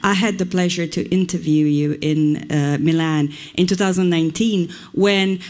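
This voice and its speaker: A woman's voice: lowish voice, fairly even intonation, normal speed, darkish tone. A woman in the audience at a forum, asking a panelist a composed, polite question.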